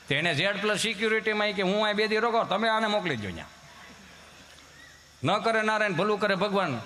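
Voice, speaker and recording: Bright-voiced stage comedian. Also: male voice, high-pitched. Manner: lively, jokey folk storytelling with acted voices. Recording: reverberant hall with faint hiss.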